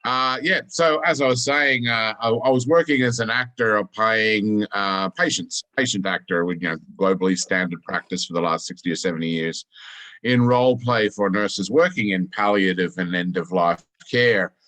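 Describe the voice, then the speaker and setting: A middle-aged man with an Australian accent, speaking on a video call and chatting in a relaxed, storytelling way about his work as a drama facilitator. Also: lowish voice, normal speed, rough recording. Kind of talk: informal presentation on a video call.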